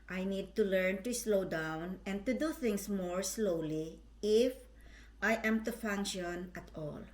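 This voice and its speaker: A middle-aged woman from the Philippines, slowly and carefully reading a prepared personal statement as a vlog host. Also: medium pitch. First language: Tagalog.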